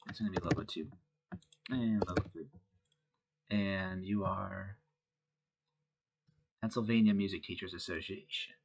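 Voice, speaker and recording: Congested low-voiced man coding aloud. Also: unhurried, gravelly, long pauses, a little hiss or hum. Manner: relaxed, thinking aloud with many fillers. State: congested from a head cold. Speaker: web design instructor. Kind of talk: screen-recorded coding tutorial.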